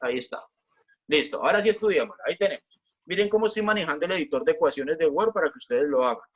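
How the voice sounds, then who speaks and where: A man's voice: on the high side, animated, fast talker, highs cut off. A man teaching a physics class online, explaining step by step, repeating key points and asking the students questions.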